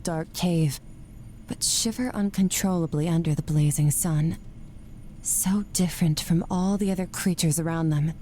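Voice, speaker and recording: A woman voicing a gentle, reflective traveler of the stars in a video game, telling a tale calmly. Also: sits low, a little hiss or hum.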